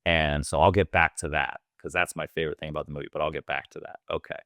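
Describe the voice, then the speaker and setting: A man's voice: a bass voice, level tone, quick pace, bright, forceful tone, dry recording, studio quality. A man co-hosting a movie podcast, eagerly retelling film scenes at length in casual chat. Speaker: podcast co-host.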